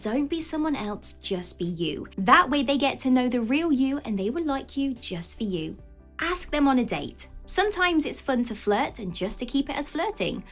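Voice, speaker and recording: A woman reading scripted dating advice as a voice-over, in an expressive style that slows down on each heading. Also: sits high. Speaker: channel narrator.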